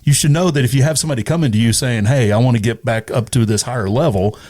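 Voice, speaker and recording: A man's voice: medium pitch, fast, a little mellow. A middle-aged man from East Texas chatting casually as a podcast guest, retelling stories with quoted dialogue. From East Texas, USA. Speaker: podcast guest, radio personality. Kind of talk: casual conversational storytelling.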